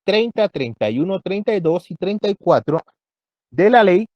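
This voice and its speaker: A man teaching a university law class, explaining each point slowly and checking in with his students again and again. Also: sits high, sing-song, no room sound, lo-fi sound. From Guatemala. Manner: explanatory, checks understanding with frequent "¿verdad?". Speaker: law lecturer. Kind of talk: university lecture.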